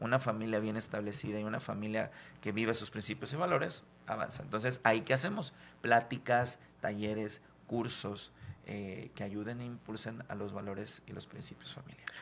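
Speaking at a moderate pace, a man with a fairly low pitch and ordinary pitch variation makes big swings in loudness over light background noise. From Tabasco, Mexico (Centla); Tabasco, Mexico. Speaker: psychologist and nonprofit president. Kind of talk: radio interview. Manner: hesitant, many fillers. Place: studio. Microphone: studio mic.

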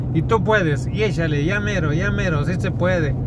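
A man at a moderate pace, dry sound with no echo, and loud background noise. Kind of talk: casual vlog chat. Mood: joking, storytelling. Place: car.

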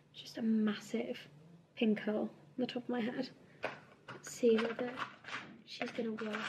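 With a high pitch, a woman speaks at a moderate pace and fairly even intonation. There is noticeable background noise. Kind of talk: casual vlog chat. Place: home room. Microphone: phone near.

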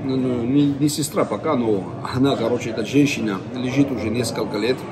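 A man talks at a moderate pace against noticeable background noise. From Georgia (Tbilisi). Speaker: church pastor. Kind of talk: interview, sermon-style prayer. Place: cafe. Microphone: phone near.

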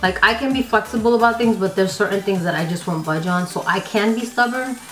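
A woman talks at a very fast pace with ordinary pitch variation over light background noise. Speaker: beauty vlogger. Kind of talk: casual talk to camera. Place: home room. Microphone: phone near.

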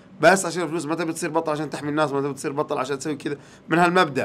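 With fairly even intonation, a man talks over light background noise. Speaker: anime reviewer. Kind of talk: commentary. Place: studio. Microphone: studio mic.

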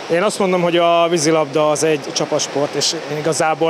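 A man's fairly high voice at a fairly quick pace, flat and monotone, dry with no echo, over noticeable background noise. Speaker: water polo coach. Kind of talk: interview. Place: hall. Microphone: handheld.

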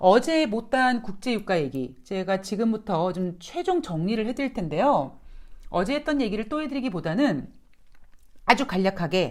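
A woman with a fairly high voice speaks at a moderate pace, her pitch swinging very widely, on a very clean recording with a silent background. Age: 40s. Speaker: stock market commentator. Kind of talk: solo market commentary. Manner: animated.

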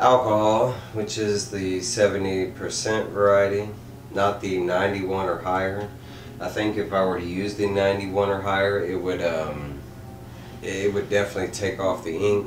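A man speaks at a fairly slow pace and a fairly low pitch. His intonation is fairly even, and there is noticeable background noise. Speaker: comic collector. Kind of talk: tutorial. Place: home room. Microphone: camera far.

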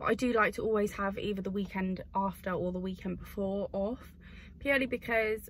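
A somewhat breathy woman speaks at a fairly quick pace with fairly even intonation, in a dry sound with no echo and light background noise. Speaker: flight attendant vlogger. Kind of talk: casual vlog chat. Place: car. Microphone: phone near.

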